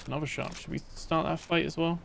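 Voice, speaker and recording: A man's voice: fairly high pitch, fairly even intonation, fast talker, vocal fry, noisy background. A man chatting casually while livestreaming a game, rambling with many fillers and restarts as he talks to his viewers. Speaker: gaming livestreamer. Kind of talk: casual live gameplay chat.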